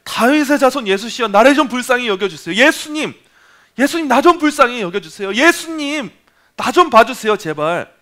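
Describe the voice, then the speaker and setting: A man's voice: very high-pitched, animated, moderate pace, sharp tone, pitched above the performer's own voice, exaggerated voice. A man voicing a desperate blind beggar who keeps crying out and pleading to be seen and pitied. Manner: pleading, insistent.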